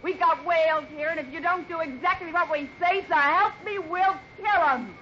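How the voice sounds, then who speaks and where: A woman's voice: very high-pitched, normal speed. An actress playing a sarcastic, dangerous female outlaw in a 1950s radio drama. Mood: threatening. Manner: sarcastic, scornful. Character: scheming female outlaw, sharp-tongued and dangerous. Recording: dull hissy 1950s radio broadcast.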